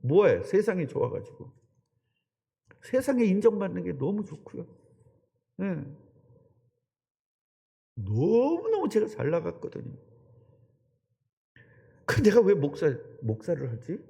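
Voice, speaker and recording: A middle-aged man preaching a sermon as pastor, conversational and animated, often putting questions to the congregation. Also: high voice, a little slow, gravelly, long pauses. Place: church sanctuary. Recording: long church hall reverb.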